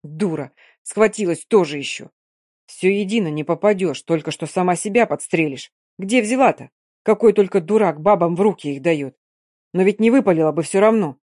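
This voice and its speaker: A woman reading a novel aloud, voicing a grim Gypsy rogue with a low, hoarse voice and curt, gruff speech. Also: moderate pace, a little mellow, dry recording, clean studio sound, natural voice.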